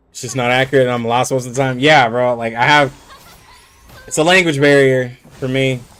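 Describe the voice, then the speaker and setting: Over music in the background, the speaker goes at a fairly quick pace with fairly even intonation and long, frequent pauses. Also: man, medium pitch for a man. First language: not English. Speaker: gaming streamer. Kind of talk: live stream commentary. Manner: casual, hesitant.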